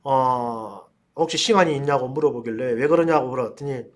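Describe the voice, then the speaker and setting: A man's voice: mid-range voice, moderate pace. A middle-aged man, a pastor and professor, teaching a seminar in a storytelling way, speaking straight to his listeners. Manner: storytelling, addresses listeners directly, bursts into loud commands. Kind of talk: teaching seminar on casting out spirits.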